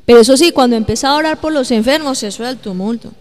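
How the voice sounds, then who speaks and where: Woman preacher, animated sermon with questions to the congregation, church echo. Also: high voice, rapid-fire. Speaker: pastor.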